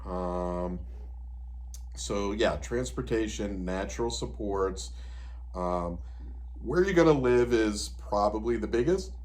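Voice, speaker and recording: A man in his fifties, a disability advocate, explaining plans and supports in a relaxed interview, with frequent "you know" asides. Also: lowish voice, slow pace. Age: 50s. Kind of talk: conversational interview advice.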